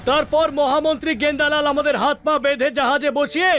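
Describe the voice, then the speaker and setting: A man voicing a flippant, simple-minded comic cartoon pal with a squawky, creaky voice. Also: extremely high pitch, level tone, quick pace. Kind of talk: dubbed cartoon acting. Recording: loud cartoon music behind.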